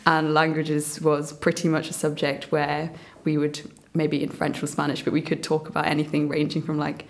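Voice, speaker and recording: Chatty young woman, low flat voice. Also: moderate pace, vocal fry. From Burma. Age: young adult. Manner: chatty, eager, filler-heavy. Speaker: medical student guest. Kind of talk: casual interview chat.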